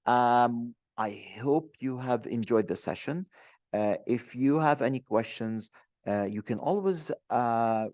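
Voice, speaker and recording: A man's voice: mid-range voice, takes it slowly, a little mellow, no room sound. A man presenting an online training webinar, speaking hesitantly with many fillers and restarts. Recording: dull, dry close mic.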